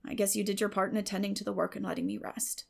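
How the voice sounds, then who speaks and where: Lady doing a stern middle-aged farm woman in a storybook, dry n sarcastic, creaky. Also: mid-range voice, level tone, fast. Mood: dryly sarcastic. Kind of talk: audiobook character voice.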